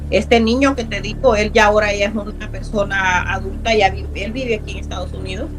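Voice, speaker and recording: A woman's voice: mid-range voice, steady tone, brisk, music in the background, rough recording. A middle-aged woman from Honduras, earnestly telling a personal story as a guest, repeating words for emphasis.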